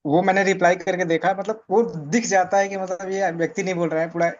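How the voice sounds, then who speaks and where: A man's voice: high-pitched, fairly even intonation, fast, dull audio. A man who is a student in an online class, polite and hesitant, speaking to his teacher.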